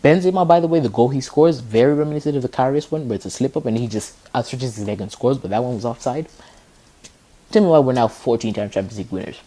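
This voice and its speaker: A young man hosting a podcast, chatting excitedly about football, laughing often and hammering the same rhetorical question. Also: mid-range voice, fast talker. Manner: excitable, keeps repeating "tell me why", laughs often. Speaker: podcast host. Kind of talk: casual football chat.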